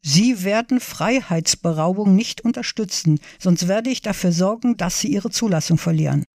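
A woman's voice: medium pitch, normal speed, darkish tone, no room sound, studio quality, lightly acted. A woman voicing a proud, career-minded middle-aged man who speaks curtly and stiffly.

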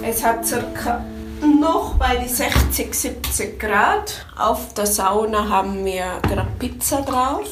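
A woman's voice: on the high side, takes it slowly, over music. A woman in her forties who owns a guesthouse, chatting casually in a vlog and laughing often. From Tyrol, Austria. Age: 40s. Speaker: guesthouse owner. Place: small wooden garden sauna. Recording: roomy echo, voice far from mic.

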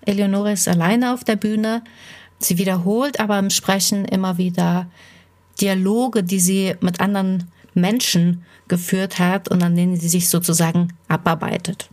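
A woman hosting a play reading, introducing and summarizing the piece in a relaxed, explanatory way with occasional fillers. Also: medium pitch, normal speed.

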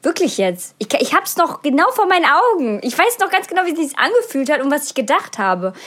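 A woman's voice: sits high, very animated, brisk, fairly bright tone. A young woman from the Bonn area chatting casually with her sister, recalling childhood with self-mocking humor. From Bonn area, Germany.

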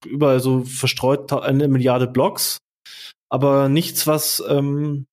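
A man hosting a casual marketing podcast, chatty and joking as he asks quick questions. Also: mid-range voice, flat delivery, darkish tone. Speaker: podcast host. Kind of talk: casual interview.

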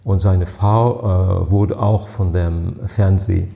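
A man in his sixties with a French accent, a native French speaker, answering interview questions as a guest in German. He tells stories haltingly and searches for words, with many fillers. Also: deep voice, steady tone, gravelly, dark tone. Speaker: party president, guest.

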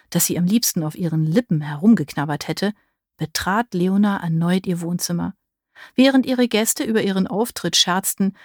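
A woman narrating a romance audiobook in an expressive storytelling manner. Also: fairly low pitch, no echo, studio quality. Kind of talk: scripted narration.

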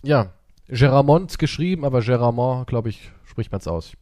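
A man chatting casually and teasingly, with an animated, expressive way of talking. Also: mid-range voice, normal speed, no room sound, clean studio sound. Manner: teasing, playfully mocking. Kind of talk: casual banter.

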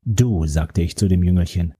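A man reading a first-person audiobook in a steady, grave manner. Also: lowish voice, normal speed, breathy edge. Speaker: narrator.

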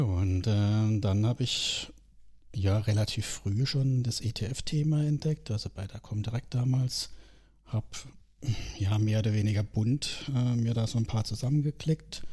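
A man's voice: on the low side, dark tone. A man in his late forties with a southern German accent, chatting casually as a podcast guest, rambling with fillers and tag questions. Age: 40s. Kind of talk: casual conversation.

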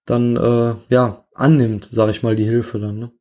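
A man's voice: mid-range voice, level tone, unhurried, warm tone. A man co-hosting a casual podcast, talking in a rambling, hesitant way with many tag questions. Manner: rambling, hesitant, full of "ne?" and "sag ich mal". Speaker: podcast co-host.

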